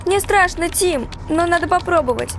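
Woman as a very high-pitched frightened young woman. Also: animated, moderate pace, a bit bright, slight background noise, full character voice. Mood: fearful. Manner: anxious, breathless exclamations and pleas. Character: frightened young woman stranded on a dark train. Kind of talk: dramatized horror text-message story.

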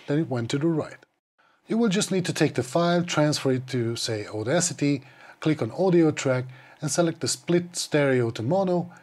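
A man's voice: mid-range voice, darkish tone. Man reviewing mic gear in small studio. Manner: explanatory, matter-of-fact. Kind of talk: scripted product review. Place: small dim studio, indoors. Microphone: clip-on wireless mic.

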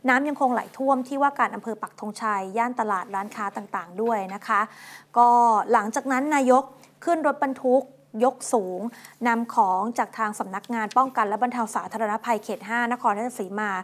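A woman's voice: fairly high pitch, brisk. A woman co-hosting a morning news show, recapping a report and commenting in a chatty way. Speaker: news program co-host.

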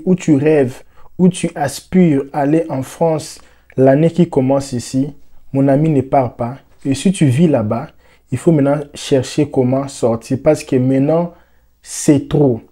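A young Congolese man explaining the news to the camera, with lots of repeated words and fillers, on a lapel mic in a dark room. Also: a little high. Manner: animated, repeats words, many "euh" fillers. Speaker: vlogger.

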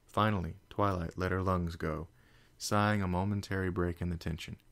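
A man narrates a fan story in a steady, measured way. His voice is on the low side with a strong vocal fry. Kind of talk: fan fiction audiobook reading.

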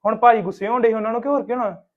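A man's voice: very high voice, fairly even intonation, rapid-fire. A man playing a peacemaking younger brother, lo-fi. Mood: placating. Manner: soothing, peacemaking. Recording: dull lo-fi recording.

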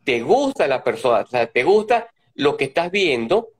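An older man on a phone video call sets out his views, patient and a little lecturing. His voice is fairly high for a man. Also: very animated, moderate pace, slightly rough. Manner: explaining, lecturing. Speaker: guest. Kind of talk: casual chat on a live video call. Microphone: phone camera on a video call.

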